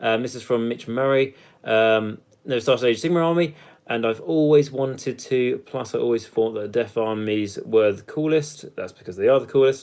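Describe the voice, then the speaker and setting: Speaking in a British accent, a man keeps his voice at a medium pitch. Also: ordinary pitch variation. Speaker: gaming YouTuber. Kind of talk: casual Q&A livestream. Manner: fast; mumbling at times.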